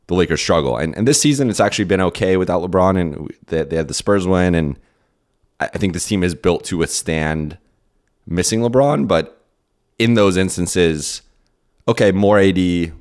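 A hoarse, worn-out man hosting a solo podcast, answering listener questions in a rambling, casual way with many restarts. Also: low-pitched. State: hoarse, lost his voice and tired. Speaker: podcast host and basketball beat writer.

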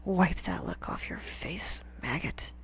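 A woman voicing a dying, gruff old male weapons teacher, speaking in a slow, halting whisper. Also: on the low side, full character voice.

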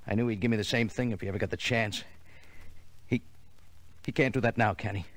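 Guy playing a lowish american tough on the run, wary, slangy, old time radio crime show. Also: fairly even intonation, a little fast, no room sound, close to an everyday voice. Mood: weary, relenting. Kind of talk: 1950s radio drama acting.

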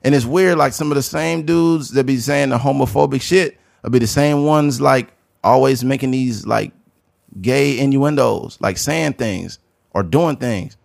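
A man's voice: mid-range voice, measured pace, creaky, a little mellow, no room sound, clean studio sound. A man co-hosting a podcast in casual chat, talking loosely and rambling with lots of filler words. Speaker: podcast co-host.

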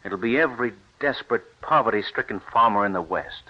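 An actor playing a determined wheat scientist who speaks in a driven, persuasive way, in an old radio drama. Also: male voice, on the low side, lively intonation, a little fast, over loud music, natural voice. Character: determined wheat scientist husband, middle-aged man. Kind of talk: 1940s radio acting. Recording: dull lo-fi old radio recording.

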